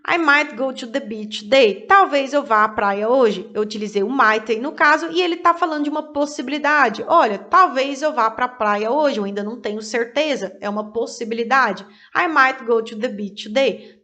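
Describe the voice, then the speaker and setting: A woman teaching English grammar to Portuguese speakers, reading example sentences slowly and then translating each one. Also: high voice, pushed and bright. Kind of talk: explaining grammar to learners.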